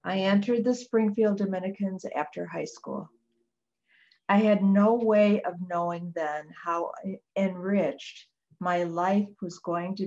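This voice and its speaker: An older Catholic sister from Chicago reading prepared remarks in a calm, measured way on a video call from a small office. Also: female voice, mid-range voice, muffled recording. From Chicago, Illinois. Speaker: Catholic sister, literacy center founder. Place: small home office with bookshelves. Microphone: webcam on a video call.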